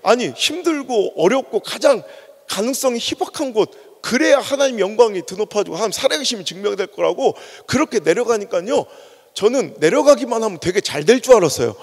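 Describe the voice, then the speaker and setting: A husky-voiced male preacher with a Chungcheong accent delivers a sermon full of anecdotes. His pitch is high and very animated, and his voice rings with the long reverb of a large church. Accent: Chungcheong Korean. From Chungcheong, Korea. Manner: animated storytelling with acted-out dialogue. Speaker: pastor. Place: church sanctuary.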